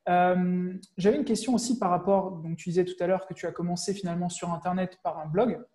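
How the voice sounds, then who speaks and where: A young man hosting an interview over a video call, his voice pitched high for a man yet soft and mellow. He talks in a relaxed, encouraging way with plenty of fillers, heard through an earphone mic in a room lined with bookshelves. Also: a little fast.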